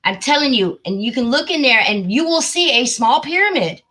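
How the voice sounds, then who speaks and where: A woman hosting a casual livestream, chatty and excitable, muttering to herself as she searches for something. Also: high-pitched, brisk, rough recording. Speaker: livestream host.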